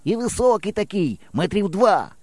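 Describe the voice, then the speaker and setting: An earnest village boy, as a male reader puts him on, high and lively in pitch, his voice set apart from the reader's own tone. He talks in urgent, breathless pleas, close and dry like a storybook reading. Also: moderate pace, dry recording. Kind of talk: audiobook character voice.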